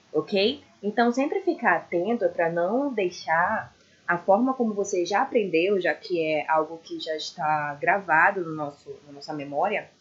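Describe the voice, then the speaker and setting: Brazilian woman, english teacher, slow, patient, muffled lo-fi audio. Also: fairly low pitch, fairly bright tone. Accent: Brazilian Portuguese. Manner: patient, repeats letters slowly, says "ok?" often. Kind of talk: online lesson explaining English letter sounds. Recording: dull lo-fi recording.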